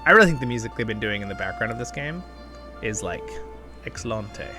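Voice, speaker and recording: Speaking briskly in a fairly low, animated voice, a man hosting a gaming channel rambles through a casual gameplay guide and chats with viewers as friends. Game background music plays throughout.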